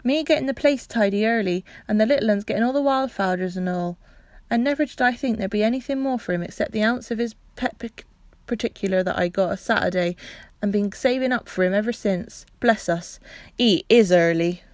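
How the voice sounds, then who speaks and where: A woman's voice: medium pitch, brisk, a little mellow, no echo, lightly acted. A woman voicing a homely, emotional working-class wife who talks in rustic dialect. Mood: fond. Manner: rustic dialect speech, effusive.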